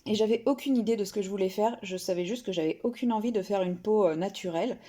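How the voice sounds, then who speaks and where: A woman vlogger casually shows off her finished coloring pages, speaking fast in a warm, mid-range voice. She sounds hesitant, with many fillers and restarts.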